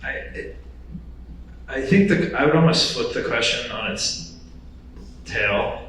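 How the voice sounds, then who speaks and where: A man speaking on a conference panel as a company founder, confident and brisk. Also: medium pitch, a bit bright, a little hiss or hum. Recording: echoey hall, distant mic.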